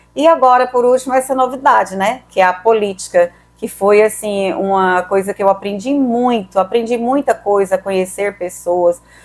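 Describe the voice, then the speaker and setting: A woman with an ordinary speaking voice and medium pitch talks at a moderate pace, with ordinary pitch variation and hardly any pauses. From Brazil, Goiás (Guapó). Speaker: teacher and former mayoral candidate. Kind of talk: interview.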